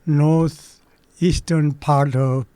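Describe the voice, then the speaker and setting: A man in his eighties, a native Korean speaker, recalling his childhood in an interview and pausing often between phrases. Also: a little high, steady tone, dark tone, clean tone, no room sound. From Manchuria. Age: 80s. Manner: halting, with frequent pauses and fillers. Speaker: interview guest. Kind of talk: unscripted life-story interview.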